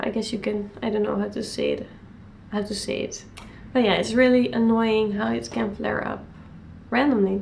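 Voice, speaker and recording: A soft-spoken woman talks in a calm tone, leaving long, frequent pauses. Audible room echo surrounds her voice. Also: moderate pace. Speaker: stay-at-home mom vlogger. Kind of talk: casual vlog chat. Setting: indoors at home in front of a window. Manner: calm, reserved.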